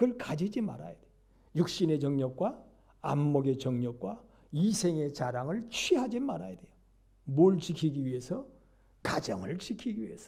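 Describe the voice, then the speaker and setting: A man with a fairly high pitch and a dark, mellow, somewhat breathy tone talks at a moderate pace, taking long, frequent pauses. His pitch swings very widely and his loudness swings a lot, with audible room echo around him. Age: 60s. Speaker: pastor. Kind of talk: sermon. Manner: animated.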